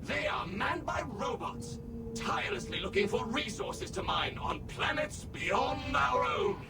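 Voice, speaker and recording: An actor voicing a polite, servile robot tour guide with a smooth synthetic robot voice and evenly measured service phrases, heard from a video game. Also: male voice, very high voice, animated, full character voice. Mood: courteous. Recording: game audio with music underneath. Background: game music.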